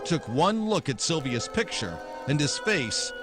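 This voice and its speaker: A man acting as a dogged, wisecracking American gumshoe from a 1940s radio noir. His delivery is wry and clipped, with a tough, weary edge, set over clear background music. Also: fairly high pitch, sing-song, a little slow. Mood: weary, brooding. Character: hard-boiled, wisecracking male private detective, world-weary, dogged.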